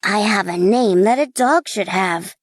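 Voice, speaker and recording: A woman voicing a kind, gentle male crow with a raspy voice in a children's storybook reading. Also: mid-range voice, measured pace, dry recording, studio quality, natural voice.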